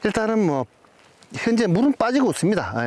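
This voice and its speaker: Dry with no echo, a man's voice swings very widely in pitch at a fairly quick pace. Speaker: fishing show host. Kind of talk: on-location explanation to camera. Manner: fast. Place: waterside.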